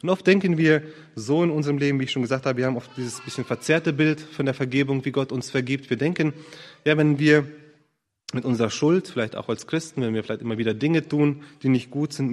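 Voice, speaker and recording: A man preaching a sermon in an earnest, searching way, often pausing with fillers and restarting his sentences. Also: medium pitch, big-room sound.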